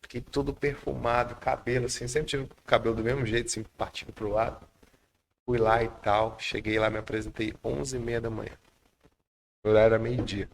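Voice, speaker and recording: A Brazilian man with a gravelly, creaky edge to his mid-pitched voice. He tells a long personal story in a podcast interview. He acts out each quoted line with lively shifts in delivery. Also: brisk, a little hiss or hum. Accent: Brazilian Portuguese. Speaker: podcast guest.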